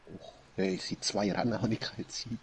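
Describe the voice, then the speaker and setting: A man's voice: lowish voice, fairly even intonation, normal speed. A man with a Swiss German accent chatting casually during a video game as the player's companion. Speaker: gaming companion. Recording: noisy, with car engine sounds.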